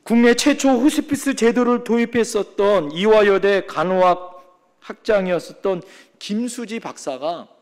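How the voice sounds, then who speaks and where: Man, pastor, sermon, very high voice, emphatic, calls for responses. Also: normal speed. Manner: emphatic, often prompts the congregation with "예?".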